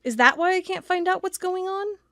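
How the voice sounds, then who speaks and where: A woman playing an agitated, suspicious, sharp-tongued investigator thinking aloud in an audio drama monologue. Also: very high voice, brisk, dry recording, studio quality. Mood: agitated, angry. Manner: thinking aloud, emphatic, muttering to herself.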